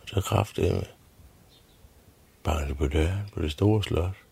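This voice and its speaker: Deep gravelly Danish man rambling a story. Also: warm tone, slight background noise. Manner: crude, swearing, full of fillers and restarts. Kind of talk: rambling comic bedtime-story retelling.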